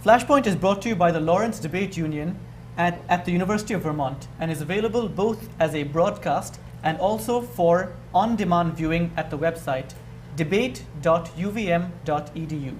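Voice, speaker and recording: Young man moderating, echoey room. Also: high voice. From Bangladesh. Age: young adult. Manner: measured, formal, repeats words while thinking. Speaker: panel moderator. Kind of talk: hosting a student panel discussion. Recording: echoey room with background noise.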